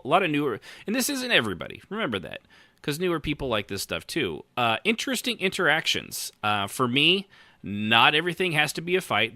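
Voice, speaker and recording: Male podcast host, middle-aged. Sharp bright tone, lively intonation, loose rambling conversational delivery. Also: lowish voice, no echo. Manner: rambling, self-interrupting, thinking aloud. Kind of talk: casual conversational podcast chat.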